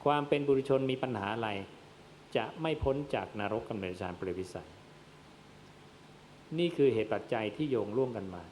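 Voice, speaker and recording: Thai monk preaching a dharma sermon. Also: male voice, mid-range voice, lively intonation, normal speed, long pauses, a little mellow, slight background noise. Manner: addresses listeners as "yom", asks and answers his own questions. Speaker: Buddhist monk.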